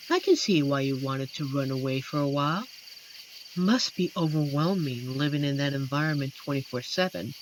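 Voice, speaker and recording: A performer voicing an amiable, shy werewolf forest protector in a roleplay audio drama, speaking gently and hesitantly with earnest pauses. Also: medium pitch. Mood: curious. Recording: noisy track with night cricket ambience. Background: crickets and night forest insect ambience.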